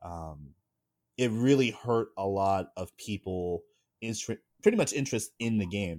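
Recorded very cleanly against a silent background with a dry, close sound and no echo, a man with an unremarkable speaking voice talks fairly slowly at a fairly low pitch, showing ordinary pitch variation and big swings in loudness. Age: 30s. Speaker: streamer and fighting game competitor. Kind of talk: casual interview.

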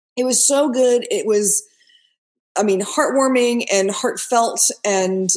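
This is a plain, everyday voice at a fairly slow pace. Its intonation stays fairly even. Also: woman. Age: 50s. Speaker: film enthusiast podcast guest. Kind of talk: casual chat. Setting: video podcast.

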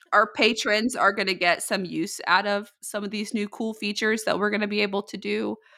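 With hardly any pauses, a woman speaks fairly quickly at a medium pitch in a bright, sharp tone, with vocal fry and monotone, flat intonation. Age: 30s. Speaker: true crime podcast co-host. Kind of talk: casual chat.

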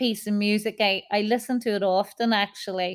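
On a very clean recording with a silent background, a woman with a Donegal accent speaks at a medium pitch in a monotone, flat intonation. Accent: Donegal Irish. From Ireland, north Donegal (Inishowen). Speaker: theatre director. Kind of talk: casual interview chat.

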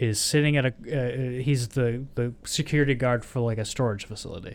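This man has an ordinary speaking voice at a medium pitch, with ordinary pitch variation and a fairly quick pace. The recording is very clean, the background silent. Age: 20s. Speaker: podcast co-host. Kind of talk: casual chat.

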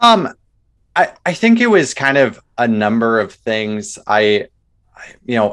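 In a very clean recording with a silent background, a man has a plain, everyday voice at a medium pitch. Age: 20s. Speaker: postdoctoral researcher in entomology. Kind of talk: interview.

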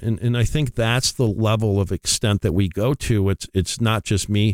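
The tone is animated and the pace moderate. The recording is very clean, with a silent background and a dry, close sound with no echo. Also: man. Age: 40s. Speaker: financial advisor and radio host. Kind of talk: radio talk show monologue. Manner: animated, frequent fillers.

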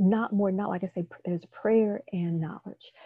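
A woman in a Memphis accent talks at a moderate pace with ordinary pitch variation. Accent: Southern US (Memphis). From US South, Memphis, Tennessee. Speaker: executive coach. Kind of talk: interview, personal testimony.

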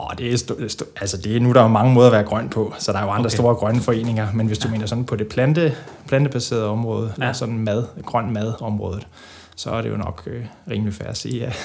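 Talking at a very fast pace, a man with a medium-pitched voice keeps his intonation fairly even over noticeable background noise. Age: 30s. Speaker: vegetarian association secretary general. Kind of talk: podcast interview.

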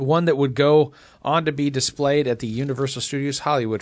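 With a normal speaking voice, the speaker talks at a fairly quick pace against a quiet background. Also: man. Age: 40s. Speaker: podcast co-host. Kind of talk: casual chat.

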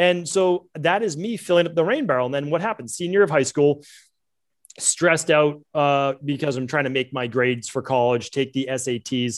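At a moderate pace, a man with a plain, everyday voice and an American accent speaks at a fairly high pitch with ordinary pitch variation. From Massachusetts, Boston area (Medford). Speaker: naturopathic doctor. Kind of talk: interview.

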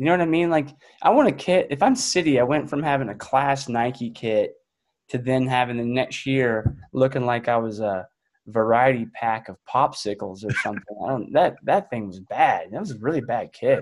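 In a plain, everyday voice, a man speaks at medium pitch and a moderate pace with lively intonation, on a very clean recording with a silent background. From North Carolina, Raleigh area. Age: 30s. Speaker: soccer coach. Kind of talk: casual chat.

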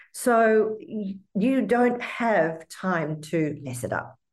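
Fairly high in pitch, a woman speaks with an Australian accent and very wide pitch swings. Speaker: etiquette trainer and consultant. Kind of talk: interview conversation.

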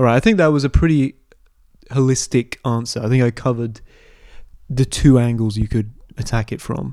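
With a London accent, a man speaks fairly quickly in a dark, mellow tone at a medium pitch, keeping his intonation fairly even and taking long, frequent pauses. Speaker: podcast host. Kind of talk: solo monologue, casual. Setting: alone in own room. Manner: rambling free association with fillers.

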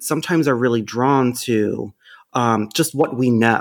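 This is a man with an unremarkable speaking voice. His pitch is medium, with ordinary variation. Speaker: podcast co-host. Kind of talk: casual chat and interview.

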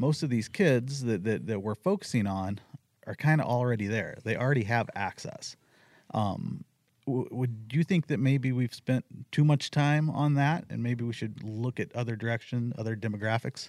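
The man has an ordinary speaking voice at medium pitch with ordinary pitch variation, recorded with a dry, close sound and no echo. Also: moderate pace. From Missouri. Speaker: podcast host. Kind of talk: casual interview conversation.

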